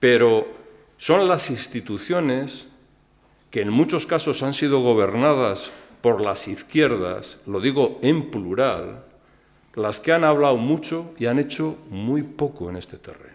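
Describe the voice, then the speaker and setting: A man with a medium pitch talks very slowly, his intonation lively and his loudness swinging widely. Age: 60s. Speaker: panel speaker. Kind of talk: panel debate. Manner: animated.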